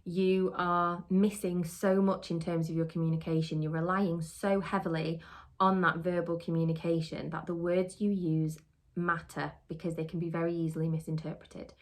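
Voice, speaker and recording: A woman's voice: fairly low pitch, level tone, normal speed. A British woman giving conversational, instructional advice as a trainer and podcast host, explaining and rephrasing her points as she goes.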